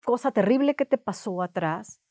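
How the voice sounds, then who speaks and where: Calm woman, dry close sound. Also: mid-range voice, dry recording. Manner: calm, measured, avoids swearing. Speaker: guest, therapist. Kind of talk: casual conversation.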